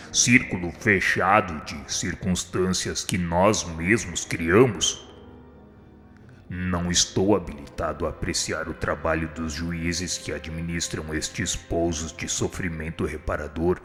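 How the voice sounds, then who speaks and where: Radio drama role: a man as kindly spirit guide, very low voice, reverent, measured, in a reverberant hall. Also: a bit bright. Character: humble, kindly male spirit mentor. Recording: long hall reverb with music behind.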